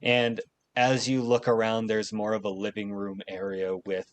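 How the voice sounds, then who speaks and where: A man's voice: fairly low pitch, little pitch movement, moderate pace. A man narrating a tabletop game as game master, rambling with many fillers.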